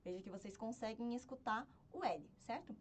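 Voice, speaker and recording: A woman teaching an online language lesson, explaining step by step and often checking in with her students. She slows down to sound out example words. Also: fairly high pitch, a little hiss or hum.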